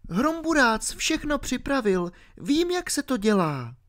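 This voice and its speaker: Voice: high voice, sing-song, a bit bright, pitched above the performer's own voice. A reader voicing a ten-year-old girl, bold and determined, speaking eagerly and insistently in a storybook reading.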